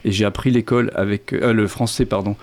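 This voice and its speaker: Middle-aged male author, gravelly, hesitant, restarts often; grew up speaking Lorraine Franconian. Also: on the low side, steady tone, brisk, darkish tone. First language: Lorraine Franconian (Platt). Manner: hesitant, many restarts and fillers. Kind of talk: literary interview.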